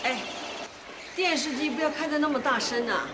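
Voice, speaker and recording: A woman's voice: sits high, normal speed, noisy background, natural voice. An actress playing a scolding mother who nags her son and daughter-in-law in a TV drama. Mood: nagging. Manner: nagging, scolding. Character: scolding older mother, fussy and protective. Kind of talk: TV drama acting.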